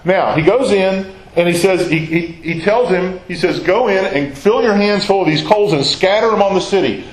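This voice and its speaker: A man's voice: high-pitched, normal speed, echoey room, rough recording. A man teaching a Bible study, talking in a conversational way and asking his listeners questions.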